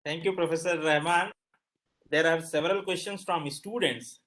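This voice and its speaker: A man with a slightly high voice acts as moderator. He passes on questions politely, in short and somewhat hesitant phrases. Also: fairly even intonation, moderate pace, a bit bright. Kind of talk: polite question-asking at an event.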